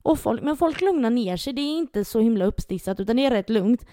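Her voice a little high yet dark and mellow, a young podcast co-host narrates an anecdote with relaxed energy, acting out the quoted voices expressively. The mic is close and dry, leaving no trace of the room.

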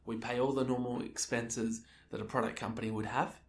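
A man's voice: medium pitch, little pitch movement, brisk, recorded from a distance. Australian man in an echoey room, off-mic. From Melbourne, Australia. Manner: informal, conversational, peppered with "like" and "you know". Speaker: interview guest, social enterprise co-founder. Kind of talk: casual interview answers.

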